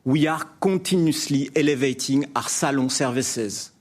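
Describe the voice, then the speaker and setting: A man delivering a formal, prepared business presentation as a company executive, in measured scripted phrases. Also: medium pitch. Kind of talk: prepared earnings presentation speech.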